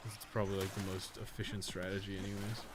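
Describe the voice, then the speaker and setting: A man's voice: sits low, flat delivery, fast, background noise. A man giving casual, rambling live gameplay commentary as a streamer, with some swearing. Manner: casual, profane, rambling asides. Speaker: game streamer and podcast co-host.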